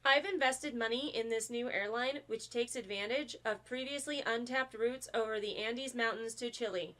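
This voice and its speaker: An actress playing a gullible younger sister who rambles about a bad investment and swears a lot. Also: female voice, fairly high pitch, moderate pace, fairly bright tone, close to an everyday voice. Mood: pitching. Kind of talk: comedic audio drama.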